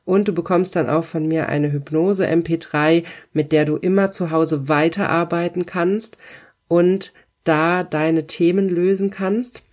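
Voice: mid-range voice, steady tone, measured pace, darkish tone. Hypnosis coach, self-help podcast, direct second-person address, encouraging, emphatic affirmations. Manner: emphatic, pointed phrasing. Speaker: coach offering hypnosis sessions.

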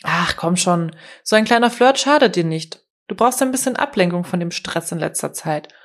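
A woman's voice: fairly low pitch, expressive, normal speed. A woman voicing an eager, pushy young man who coaxes his friend out to party. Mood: coaxing.

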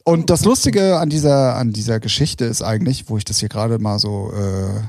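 Guy, casual podcast chat, gravelly voice, lots of ähms, dry close sound. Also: mid-range voice, normal speed, no echo. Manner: relaxed, hesitant, many fillers, laughs easily. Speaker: podcast co-host.

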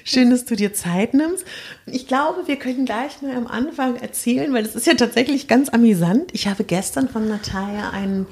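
A woman hosts a casual interview podcast from a friend's apartment. Her voice is slightly husky and pitched a bit high. She talks in a chatty, easy way with frequent fillers. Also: moderate pace, darkish tone. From Germany. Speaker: podcast host. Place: guest's apartment.

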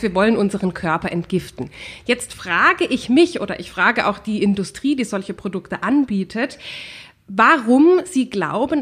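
A woman's voice: mid-range voice, breathy edge. Podcast co-host, woman in her thirties, stuffy with a cold, emphatic and opinionated. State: has a head cold, runny nose. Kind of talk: casual Q&A podcast talk.

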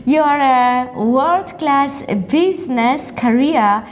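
A woman hosting a podcast interview, enthusiastic and quick, often restarting her sentences. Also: high-pitched, highs cut off, a little hiss or hum. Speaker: podcast host. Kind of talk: interview, asking questions.

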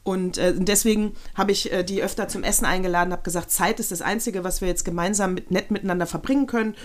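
A woman's voice: fairly low pitch, quick pace. A middle-aged woman co-hosting a podcast, chatting casually and telling rambling anecdotes full of restarts. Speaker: podcast co-host. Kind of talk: casual chat.

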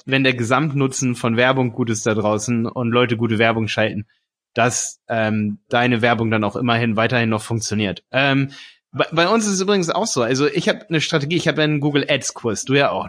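A podcast co-host who sells an ads course talks casually and eagerly explains his ideas, using hesitant fillers along the way. His mid-range voice is fairly bright and moves a little fast.

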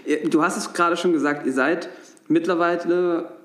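Slightly high-voiced male podcast host. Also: moderate pace. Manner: friendly, steady questioning with fillers. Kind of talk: conversational interview.

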